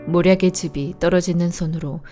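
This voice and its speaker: A woman reading the Bible aloud in a steady, calm, measured way. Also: on the low side. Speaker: Bible reader. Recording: soft instrumental music behind.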